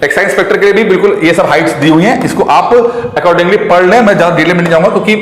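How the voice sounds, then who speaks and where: A man's voice: sits high, racing, a bit bright, a little hiss or hum. A man teaching exam aspirants, chatty and repetitive, mixing English terms into his talk. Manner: chatty, repeats points, mixes English terms into Hindi. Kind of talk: explaining exam rules to students. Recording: echoey room with long reverb.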